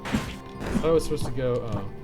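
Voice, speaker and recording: A man's voice: mid-range voice, fairly quick. A man chatting casually and informally, with some swearing, as he livestreams a video game. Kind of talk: casual chat while playing a game. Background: game music.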